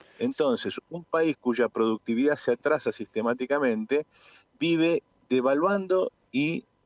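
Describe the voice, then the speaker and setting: A man in a Rioplatense accent, fairly high-pitched, at a moderate pace. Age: 60s. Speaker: professor and political activist. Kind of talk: interview. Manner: hesitant with fillers and repetitions.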